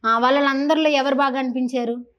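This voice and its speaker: A woman's voice: high-pitched, fairly even intonation, a little fast, lo-fi sound. A woman interviewing children in a casual, teasing and chatty way, holding a handheld mic. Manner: playful, teasing, chatty with kids.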